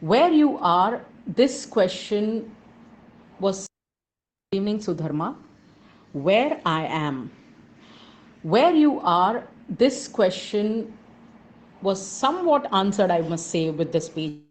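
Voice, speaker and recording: A woman's voice: medium pitch, sing-song, rough recording. A woman with an Indian accent giving a structured, emphatic speech evaluation as a recorded message. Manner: measured, structured, emphatic on key points.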